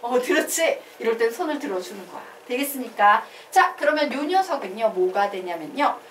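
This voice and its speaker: Animated woman math teacher in echoey classroom. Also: on the high side, brisk, distant mic, slight background noise. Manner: animated, asks the class questions and drills answers. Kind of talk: classroom lecture.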